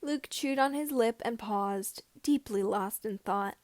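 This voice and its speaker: Amateur audiobook reader, female, highish pitch, slightly halting delivery, very dry recording. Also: no echo. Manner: somewhat halting phrasing. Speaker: podfic reader. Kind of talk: amateur fan fiction narration, reading dialogue aloud.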